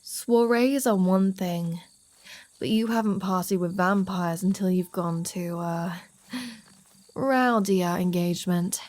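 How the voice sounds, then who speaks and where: Slow, teasing vampire woman, acted by a woman. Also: lowish voice, a little mellow. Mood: wry, playful. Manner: teasing, sardonic, sweary, drawling. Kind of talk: ASMR roleplay audio drama addressed to the listener.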